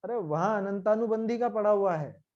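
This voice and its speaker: A man's voice: high-pitched, moderate pace, a little mellow, lo-fi sound. A man giving a Hindi scripture lecture, conversational, full of rhetorical questions and acted-out quotes. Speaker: Jain scripture teacher.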